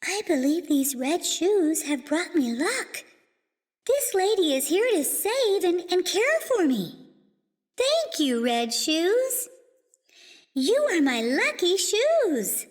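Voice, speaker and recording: A woman's voice: very high voice, very animated, slow, pitched above the performer's own voice, heavily acted. A woman voicing a sweet, hopeful little orphan girl in a storybook tale, speaking in a dainty, polite way. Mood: hopeful, grateful.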